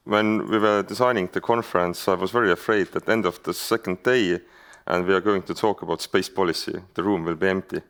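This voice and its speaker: A man with an Estonian accent moderates a conference panel from the stage. His voice sits very low with a gravelly edge, yet comes through smooth and resonant. He talks haltingly, filling gaps with uh and um. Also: fairly bright tone. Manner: hesitant, many fillers and restarts.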